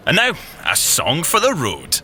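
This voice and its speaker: A man playing a wry, excitable young tech agent with a Scottish accent, bantering colloquially in an audio drama. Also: a little high, measured pace, slight background noise, exaggerated voice. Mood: wry, teasing. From Scotland. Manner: joking, colloquial, expressive.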